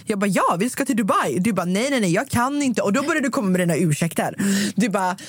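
A woman's voice: mid-range voice, husky, dry recording. A young woman co-hosting a casual podcast, telling stories with acted-out quotes, laughing often and swearing casually. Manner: giggly, animated storytelling with acted-out quotes. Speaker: podcast co-host.

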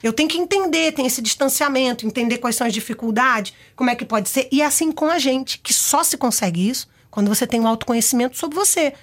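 A middle-aged Brazilian woman with a Brazilian accent, a guest on a talk show, telling stories in a lively, expressive way into a studio mic. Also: sits high, fast, few pauses. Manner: animated, expressive storyteller. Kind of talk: casual conversational interview. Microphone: studio microphone.

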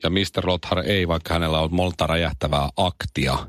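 A man in his thirties hosting a morning radio show. He reads the news and tells animated stories. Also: low-pitched, no room sound, clean studio sound. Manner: animated storyteller.

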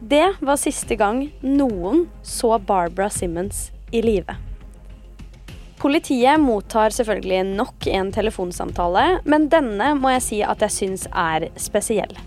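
A woman's voice: mid-range voice, animated, darkish tone, faint music behind. A woman host telling a true-crime story in a conversational, semi-scripted narration. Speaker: podcast host.

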